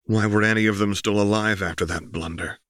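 A man's voice: fairly low pitch, fairly even intonation, a little fast, a bit bright, no room sound, clean studio sound. A man reading an audiobook as scripted, dramatic story narration. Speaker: audiobook reader.

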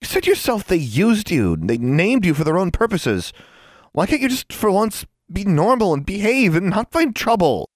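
A man's voice: high-pitched, very animated, slow pace, few pauses, warm tone, no room sound, clean studio sound, pitched above the performer's own voice, full character voice. A man voicing a fiery, anxious teenage girl, indignant and emotional, in a storybook reading. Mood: tearful outburst.

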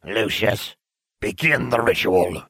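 A man voicing a disembodied, pompous and deadpan villainous dark lord in a storybook narration. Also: lowish voice, slow pace, creaky, slightly rough, no echo, clean studio sound, exaggerated voice. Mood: imperious. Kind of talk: fan fiction audio storytelling.

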